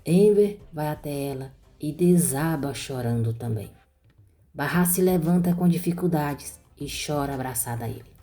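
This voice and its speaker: A woman narrating a soap-opera recap in an even storytelling manner. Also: low voice, moderate pace.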